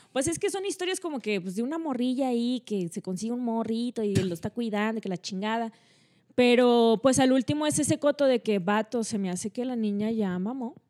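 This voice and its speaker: A woman's fairly high, dark and mellow voice with lively intonation and a fairly quick pace, in dry, close sound with no echo. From Mexico, Monterrey. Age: 30s. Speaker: comedian and streamer. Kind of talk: casual chat.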